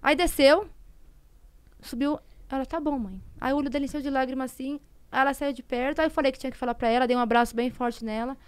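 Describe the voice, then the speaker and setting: Brazilian woman with a smooth, clear voice. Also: high-pitched, steady tone, fast talker, dry recording. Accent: Brazilian Portuguese. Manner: conversational, often trailing into soft, hushed tones and frequent tag questions. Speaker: podcast guest. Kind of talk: emotional personal storytelling.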